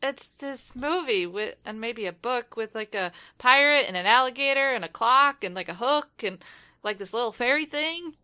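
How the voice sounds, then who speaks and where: A woman's voice: on the high side, lively intonation, moderate pace, sharp tone, smooth. A woman playing a tabletop role-playing game, chatting and narrating her character's actions. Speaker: player. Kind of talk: casual tabletop role-play chat.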